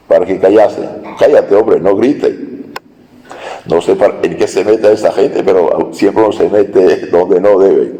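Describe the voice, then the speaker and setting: Male preacher, low voice, slow delivery, long church reverb. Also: warm tone. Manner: slow, storytelling homily with hesitations. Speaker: priest. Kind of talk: sermon.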